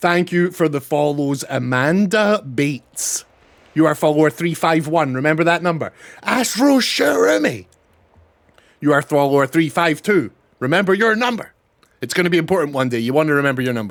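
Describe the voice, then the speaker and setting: Animated and with lively intonation, a man with a Scottish accent speaks at a moderate pace and a fairly high pitch. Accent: mild Scottish. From Scotland. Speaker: video game streamer. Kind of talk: casual gameplay livestream chat.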